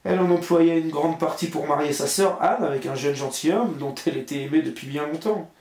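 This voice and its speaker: A man reading a fairy tale aloud as a bedtime story, steady and unhurried. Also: a little high. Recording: roomy echo.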